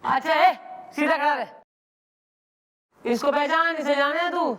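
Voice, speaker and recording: An actress playing a bossy, sharp-tongued police officer, blunt and mocking. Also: female voice, sits high, measured pace, faint music behind. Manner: blunt, mocking, rural dialect.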